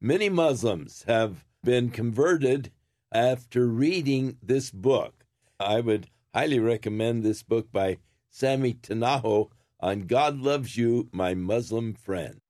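A man from a church, hosting a talk show and recommending a book in a measured manner. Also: mid-range voice, a little mellow, no room sound, studio quality. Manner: slow, deliberate speech.

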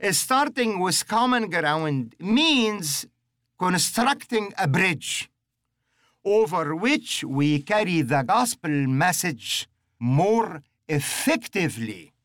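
A man's voice: high voice, very animated, slow, fairly bright tone, no room sound, studio quality. A middle-aged man from Egypt, hosting a religious radio teaching program in an earnest, emphatic, preacherly way.

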